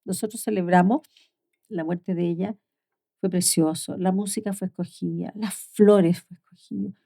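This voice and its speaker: An older woman speaks as an interview guest. She tells heartfelt family stories with a slightly gravelly edge. Her voice often sinks to a soft hush before rising again. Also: fairly low pitch, steady tone, normal speed. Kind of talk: conversational interview.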